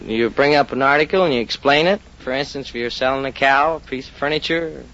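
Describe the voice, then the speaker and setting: A man's voice: medium pitch, a little fast, a bit bright. A man, a contestant who works as an auctioneer, answering questions in a plain, hesitant way. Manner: earnest, hesitant, plain-spoken. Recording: muffled old radio recording with hiss.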